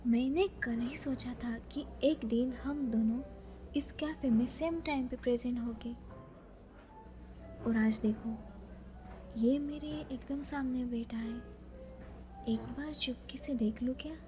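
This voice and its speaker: A woman's voice: on the high side, takes it slowly, pauses often, mellow, soft background music. A woman acting a shy, bookish young woman with a sweet, earnest manner in an ASMR romance roleplay, with some background noise. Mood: secretly delighted.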